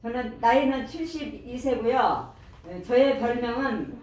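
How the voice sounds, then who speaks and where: Brief: senior woman acting, seventies, eager and courteous stage introduction, unhurried, higher-pitched, heard across a hall. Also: a little mellow, natural voice. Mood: polite, eager. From South Korea. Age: 70s. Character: elderly woman introducing herself, polite, eager. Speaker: amateur senior stage performer. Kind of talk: stage play self-introduction. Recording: echoey hall, distant mic, music and crowd.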